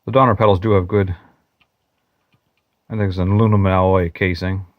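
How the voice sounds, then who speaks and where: A man narrating an unboxing in a plain, matter-of-fact way, pausing now and then. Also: sits low, steady tone, no room sound, phone-quality sound. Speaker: channel host.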